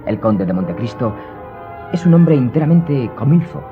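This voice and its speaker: A man acting as a young aristocratic gentleman in a radio play, effusive and refined. His pitch swings widely, and the recording is a bit dull with faint music behind. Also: very animated, normal speed. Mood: delighted. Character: enthusiastic young aristocratic gentleman, easily impressed. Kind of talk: Spanish audio drama acting.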